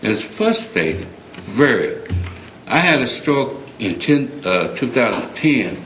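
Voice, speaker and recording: A man addresses a city council from the podium, talking very slowly and earnestly, often restarting his sentences. He sounds emotional. The council chamber gives his voice a roomy echo with a faint hiss behind it. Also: medium pitch, big pitch swings, a bit bright. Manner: halting, earnest, many restarts. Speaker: public commenter at city council. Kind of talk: public comment, unscripted plea.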